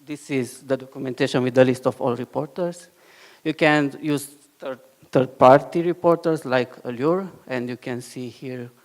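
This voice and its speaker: A man giving a short conference talk and live software demo, often halting and restarting phrases. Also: medium pitch. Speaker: conference speaker. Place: conference hall.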